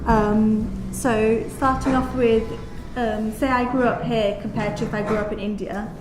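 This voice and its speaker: A woman's voice: fairly high pitch, steady tone, measured pace. A woman moderating a question session, posing and restating questions for the audience. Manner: questioning, clarifying. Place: lecture room with audience. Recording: echoey room with background noise.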